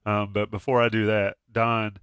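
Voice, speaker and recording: A man's voice: fairly low pitch, level tone, moderate pace, fairly bright tone, clear, resonant tone, no echo. A man hosting a casual sports chat, stuffy from a cold, joking and restarting often. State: congested with a cold. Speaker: podcast host.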